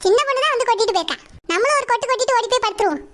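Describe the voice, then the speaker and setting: Tiny squeaky cartoon child. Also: lively intonation, very fast, very noisy. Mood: puzzled, sneaky. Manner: childlike, questioning. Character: inquisitive, caring little cartoon child. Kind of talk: cartoon dub dialogue.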